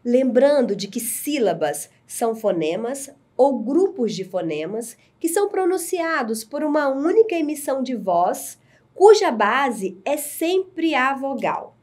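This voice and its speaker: A woman teacher giving a recorded lesson to adult learners, explaining slowly and clearly. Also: sits high, big pitch swings, a little mellow. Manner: slow, clear, deliberate explaining.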